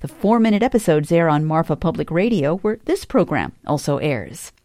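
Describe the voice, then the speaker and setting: A woman hosting a public radio program, with a measured, clear delivery. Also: deep voice, animated, dark tone, no echo, studio quality. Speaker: radio host.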